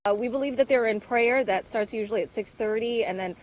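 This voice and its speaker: A woman's voice: a little high, a little fast, a little hiss or hum, poor audio. A woman field reporter giving a live news report from the street, talking loosely with fillers and restarts. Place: outdoors in the cold by a roadside crowd.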